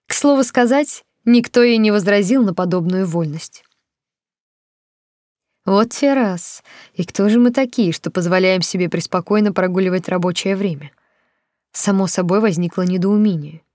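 A woman narrating a novel in the first person, with even, expressive storytelling. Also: medium pitch, no room sound, studio quality. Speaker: audiobook narrator.

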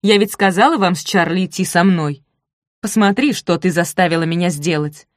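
A woman reading an audiobook, voicing a spoiled, scornful young woman kidnapper in a shrill, indignant way. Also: moderate pace, no room sound, studio quality, close to an everyday voice. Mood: accusing.

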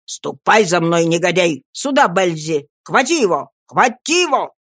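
A woman drops her voice to play a brutal street thug, a grown man who growls and barks his orders in a slow, bullying way. The sound is close and dry. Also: on the low side, very animated, fairly bright tone, dry recording, heavily acted. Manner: gruff, bullying, barking orders.

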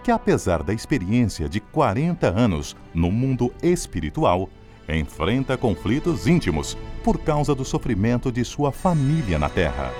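Um homem fazendo a abertura de uma radionovela como locutor, em tom formal, dramático e enfático. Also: male voice, mid-range voice, sing-song, normal speed. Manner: formal, emphatic. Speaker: announcer. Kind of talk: dramatic scripted radio drama introduction. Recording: prominent music behind.

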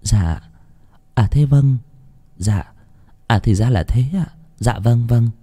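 A man voicing an older village woman who is a spirit medium, explaining slowly and matter-of-factly. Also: medium pitch, warm tone. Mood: calm, knowing.

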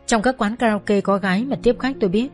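A woman narrating a first-person story in a steady, plain reading voice. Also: mid-range voice, fairly quick, faint music behind.

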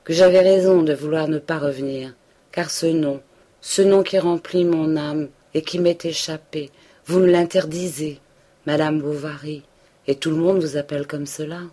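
Lady doing a lovesick young man, pleading, melancholy, low-voiced storybook reading. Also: fairly even intonation, moderate pace, mellow. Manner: impassioned, pleading declarations.

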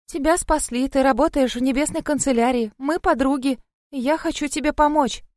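Woman voicing a high, worried rabbit-eared girl. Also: a little fast, a little mellow, no room sound, clean studio sound, lightly acted. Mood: concerned. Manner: earnest, worried, fussing. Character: friendly young rabbit-eared girl, anxious and caring.

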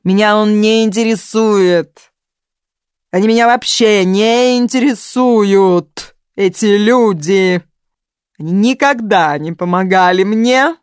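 An audiobook reader voicing a theatrical, self-pitying older woman who speaks loudly and drags out her complaints. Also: mid-range voice, smooth, no echo, clean studio sound, pitched above the performer's own voice, close to an everyday voice. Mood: bitter, indignant. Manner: melodramatic, loud and drawn-out.

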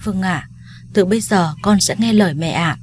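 A woman's voice: mid-range voice, moderate pace, a little mellow, a little hiss or hum, natural voice. A woman voicing a remorseful young adult daughter who speaks politely and apologetically to her mother.

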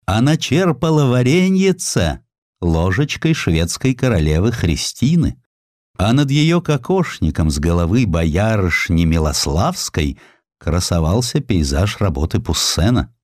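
A man reading scripted historical narration as an expressive audiobook storyteller. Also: low voice, dry recording, studio quality.

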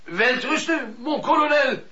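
An actor playing a fussy, servile French valet with a French accent, flustered and obsequious, in a radio play. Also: male voice, extremely high pitch, normal speed, pushed and bright. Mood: obedient, servile. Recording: dull lo-fi radio play recording.

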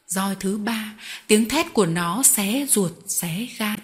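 A woman reading a novel aloud as first-person audiobook narration, with steady, expressive storytelling. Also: mid-range voice, slow pace.

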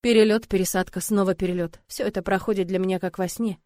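A woman's voice: medium pitch, fairly even intonation, fast, a little mellow, no echo. A woman narrates an audiobook in the first person. Her reading is tense and emotional, with a mid-range voice. The recording is dry and close.

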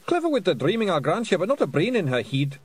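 Guy putting on a shouty little fairy man, high and gruff, storybook. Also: sing-song, fast, slight background noise. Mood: rowdy. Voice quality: loud, gruff brogue. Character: tiny fierce fairy man, rowdy chief.

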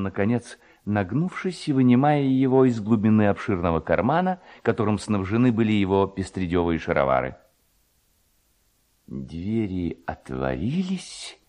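Very animated male literary narrator. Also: medium pitch. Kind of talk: dramatic scripted literary narration.

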